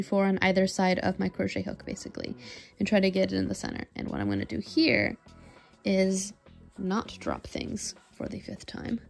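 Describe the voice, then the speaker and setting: Hoarse young woman, raspy croupy voice, gravelly, chatty craft tutorial, faint music behind. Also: mid-range voice, darkish tone. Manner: chatty, self-deprecating, explains while working. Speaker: knitting tutorial host. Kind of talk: casual step-by-step craft demo.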